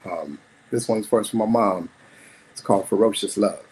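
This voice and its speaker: A man's voice: lowish voice, moderate pace, a little mellow, breathy edge, low-quality recording. A middle-aged man performing spoken-word storytelling at an open mic, dramatic, with rhythmic repetition.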